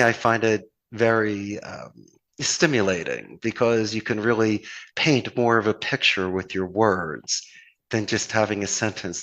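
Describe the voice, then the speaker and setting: A man's voice: medium pitch, a bit bright. Philadelphia man in earnest motivational conversation. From Philadelphia, United States. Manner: earnest, flowery, motivational talk full of rhetorical questions. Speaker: podcast guest, call center owner. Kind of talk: conversational podcast interview, motivational anecdotes.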